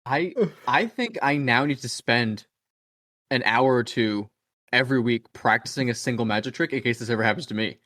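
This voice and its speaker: A man's voice: medium pitch, moderate pace, fairly bright tone. A man co-hosting a casual podcast, giving wry, teasing reactions. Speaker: podcast co-host.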